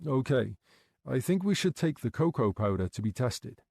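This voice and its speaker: A man voicing a calm, patient male detective who questions people gently and in a measured way. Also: mid-range voice, creaky, slightly rough, no echo, clean studio sound, full character voice.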